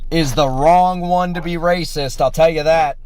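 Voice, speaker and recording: A man hosting a heated call, berating the other side with profane, slow, emphatic lines. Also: a little high, fairly even intonation, a little mellow, smooth. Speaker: host.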